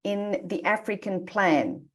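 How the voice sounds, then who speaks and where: A woman with a mid-pitched voice moderates an online panel. She keeps things moving, encouraging guests and steering with open questions. She is heard over a video-call mic. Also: a little slow, breathy edge.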